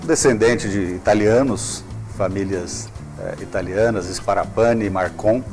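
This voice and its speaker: A man, a prosecutor guest in a studio interview, speaking in a measured, formal way with frequent hesitations. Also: fairly low pitch, music in the background. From Brazil. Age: 50s.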